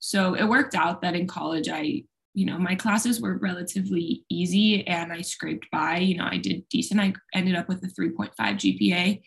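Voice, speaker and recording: A woman's voice: on the low side, lively intonation, moderate pace, vocal fry, rough recording. A young woman whose first language is Spanish, chatting casually about her college years with lots of fillers. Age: young adult. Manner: chatty, rambling with many fillers. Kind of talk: casual chat.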